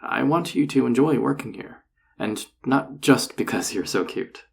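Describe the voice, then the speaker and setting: A man playing a flirty, encouraging enchanter boss in an intimate roleplay audio drama, teasing and reassuring in a husky, gravelly voice. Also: mid-range voice, lively intonation, measured pace, a little mellow, exaggerated voice. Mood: concerned, reassuring.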